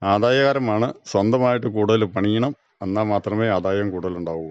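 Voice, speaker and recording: A man from Kerala with a local accent and a fairly low voice answers interview questions as a farmer. He keeps his replies short and factual. The recording is dry and somewhat muffled. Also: moderate pace, darkish tone, clear, resonant tone, no room sound. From Kerala, India. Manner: brief, plain, matter-of-fact answers. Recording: dull, band-limited dry radio recording.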